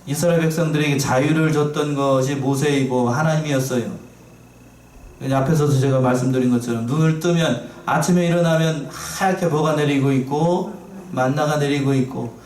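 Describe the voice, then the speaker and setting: Preaching in a church sanctuary, a pastor with a slightly mellow, higher-leaning voice speaks at normal speed and a steady tone. He repeats his key phrases in a conversational way and asks the congregation rhetorical questions, all picked up from a distance amid the church's echo.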